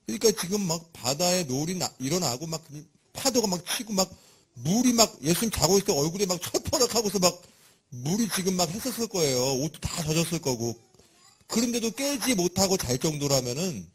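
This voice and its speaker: A man preaching a sermon in a lively, conversational and humorous way, with a husky voice. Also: a little high.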